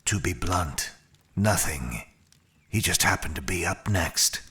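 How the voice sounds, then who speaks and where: A cold, formal immortal attendant for an audio drama. The voice is deep and extremely husky, and the words come slowly, blunt and curt, over music. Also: male voice, animated, sharp tone, exaggerated voice. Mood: formal, measured.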